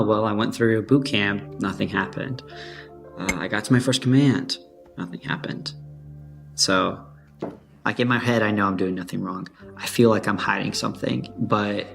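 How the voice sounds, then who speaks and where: A trans man serving in the navy with a gravelly voice, speaking hesitantly and with strain. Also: fairly low pitch, fairly bright tone. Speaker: sailor.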